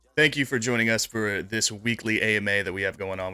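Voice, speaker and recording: Music plays in the background as a man speaks at a very fast pace in a monotone, flat voice. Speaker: community host. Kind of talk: casual interview. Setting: group voice chat. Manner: clear and concise.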